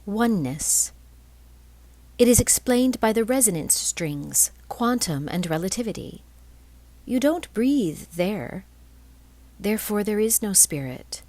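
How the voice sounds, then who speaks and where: A woman reading a spiritual text aloud as scripted narration, in measured phrases with deliberate pauses. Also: medium pitch, sing-song, dark tone, dry recording. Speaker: reader of a spiritual blog.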